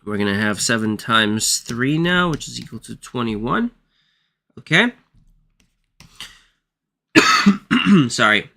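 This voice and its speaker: A man who is sick and losing his voice, working through textbook math problems aloud in a halting, apologetic way. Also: mid-range voice, animated, vocal fry, sharp tone. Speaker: math tutor.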